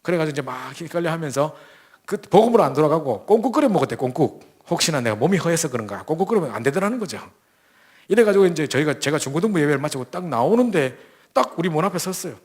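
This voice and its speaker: A young man preaching a sermon, telling a story full of quoted dialogue and quick restarts. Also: a little high, very animated, breathy edge. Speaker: preacher at a church training camp. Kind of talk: sermon with acted-out stories.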